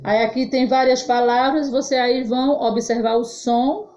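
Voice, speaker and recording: A woman teacher with a Brazilian Portuguese accent, giving a children's phonics lesson, drawing out syllables slowly and having the class repeat after her. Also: on the high side, steady tone, a little mellow. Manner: slow, drawn-out syllables, call-and-response drilling. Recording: dull lo-fi recording.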